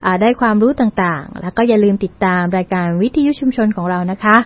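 A woman's voice: medium pitch, fast. A woman from Thailand presenting an educational community radio talk, speaking politely with frequent particles and English terms mixed in. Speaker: university learning centre presenter. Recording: dull lo-fi radio recording.

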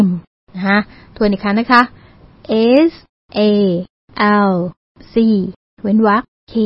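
A woman from Thailand presenting an educational community radio talk, speaking politely with frequent particles and English terms mixed in. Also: mid-range voice. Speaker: university learning centre presenter. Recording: dull lo-fi radio recording.

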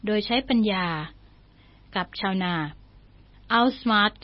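A woman telling a folk tale in a bilingual lesson, reading lines slowly and explaining each one, with frequent polite particles. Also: mid-range voice, steady tone, no room sound, dull audio. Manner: slow, deliberate, translating each English line into Thai. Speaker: English teacher telling bilingual stories.

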